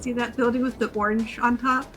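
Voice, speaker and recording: A woman's fairly high, rather bright voice stays level in pitch as she talks briskly, with soft music behind her. She's streaming a game and casually coaching a newcomer, patient and laughing often while she gives directions.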